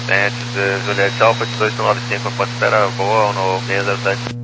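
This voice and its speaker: A man's voice: on the low side, completely flat delivery, a little fast. A man with a Brazilian accent talking as a pilot in helmet-radio style over a two-way aviation radio. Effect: two-way radio transmission. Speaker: airline or aircraft pilot on radio. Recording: noisy aircraft radio with mains hum. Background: hum and radio noise.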